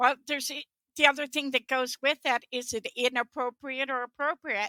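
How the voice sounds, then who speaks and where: A woman speaks in a high, raised and projected voice with a bright, sharp tone, flat monotone intonation and a moderate pace. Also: dry, close sound with no echo. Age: 80s+. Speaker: spiritual teacher and healer. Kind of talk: casual chat.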